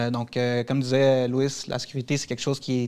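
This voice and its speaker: The man keeps a moderate pace. His delivery is monotone, the intonation flat. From Venezuela. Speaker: DJ; guest. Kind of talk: casual interview. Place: studio.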